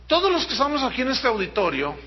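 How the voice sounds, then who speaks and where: A man's voice: extremely high pitch, huge pitch swings, slightly rough, dull audio. A man with a Mexican accent, a pastor preaching a sermon in a church auditorium, emphatic and drawing out key words. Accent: Mexican Spanish. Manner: emphatic preaching, drawn-out stresses, mimics people.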